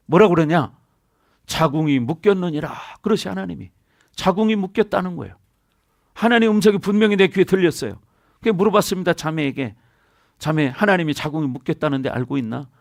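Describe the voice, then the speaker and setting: A man's voice: sits high, dry recording, studio quality. A middle-aged male pastor preaching a sermon in a church, calling out to the congregation and drawing responses from them. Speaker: senior pastor. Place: church sanctuary.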